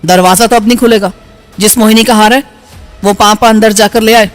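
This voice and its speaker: A man's voice: sits high, steady tone, long reverb tail, faint music behind, natural voice. A man voicing a crude, leering male gatekeeper who talks in a coarse, sneering way.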